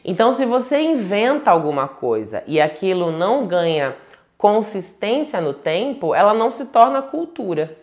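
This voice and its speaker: A man's voice: high-pitched, big pitch swings, normal speed. Chatty Manaus-accented man teaching. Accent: Manaus Portuguese. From Manaus, Brazil. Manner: chatty and digressive, with frequent restarts and tag questions. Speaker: tarot teacher. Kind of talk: casual online lecture. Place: home, indoors.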